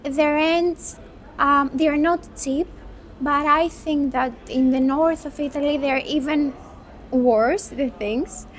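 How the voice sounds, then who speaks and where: Young Greek woman, high voice. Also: fairly even intonation. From Greece. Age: 20s. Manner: thoughtful, unhurried, with restarts. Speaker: medical student. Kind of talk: interview.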